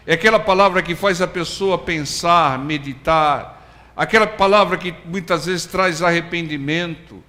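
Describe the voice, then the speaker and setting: A man preaching a sermon, emphatic, swelling to loud exhortations and dropping to quiet, earnest lines. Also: on the high side. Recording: long hall reverb.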